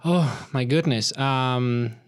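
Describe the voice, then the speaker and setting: A middle-aged orchestra director born in Colombia appears as a radio interview guest, reflective and thoughtful but halting, with many fillers. His medium-pitched voice is clear and resonant, recorded dry on a close mic with no echo.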